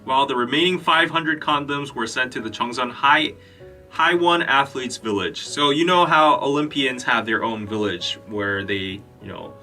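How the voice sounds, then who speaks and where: A man's voice: mid-range voice, moderate pace, bright, forceful tone, distant mic, soft background music. A young man from Korea hosting a live podcast stream, chatting casually with lots of fillers and restarts. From South Korea. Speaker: podcast host. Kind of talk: casual live-stream chat and news reading.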